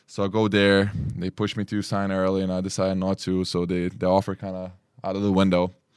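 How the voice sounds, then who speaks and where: A man with a Lithuanian accent speaks in a very deep, low voice with monotone, flat intonation at a fairly quick pace. The recording is very clean and the background silent. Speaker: college basketball player. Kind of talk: interview.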